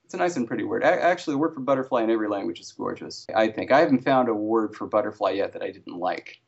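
A man as an interview guest, talking in a relaxed, chatty way with wry jokes. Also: on the low side, quick pace, vocal fry, husky. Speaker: interview guest, language creator. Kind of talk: casual interview conversation. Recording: slightly dull lo-fi audio.

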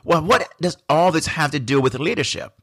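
A man from Jamaica with a Jamaican accent, hosting a solo podcast in a reflective, unhurried way with frequent restarts. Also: a little high, animated, a bit bright, husky, no room sound, studio quality. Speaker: podcast host.

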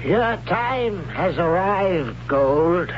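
Zealous tribal patriarch; fairly high voice, commanding, dull old radio sound. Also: male voice, expressive, extremely slow, noisy background, full character voice. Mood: stern. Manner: shouting, commanding, pronouncing rules. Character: stern zealous tribal father, male elder. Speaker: actor. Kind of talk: 1970s radio drama acting.

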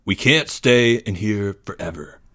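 A man's voice: expressive, a little slow, sharp tone. Man as a grim, muttering boy leader. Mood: determined. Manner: low grunting, hissing, muttering.

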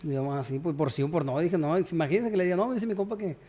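A man's voice: fairly high pitch, quick pace, warm tone. A man, a guest musician, casually telling stories in a slangy way and acting out both sides of the conversations. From Culiacán, Sinaloa, Mexico. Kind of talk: casual storytelling chat.

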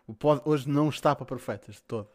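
A man's voice: mid-range voice, quick pace, darkish tone. A man with a European Portuguese accent, hosting a podcast and reading out listener questions in casual, slangy talk with some swearing. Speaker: podcast host.

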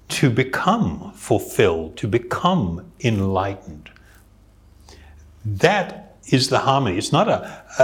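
A man who teaches yoga, giving an earnest, reflective spiritual talk and chuckling now and then. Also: lowish voice.

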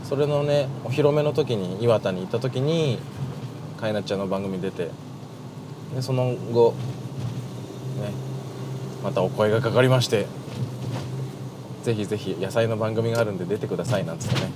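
A man from Shizuoka, Japan, hosting a casual solo podcast in very polite Japanese, softened with chatty fillers. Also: on the low side, moderate pace, long pauses. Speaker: podcast host, greengrocer. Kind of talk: casual solo radio-style chat. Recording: noisy, with car and outdoor street sounds.

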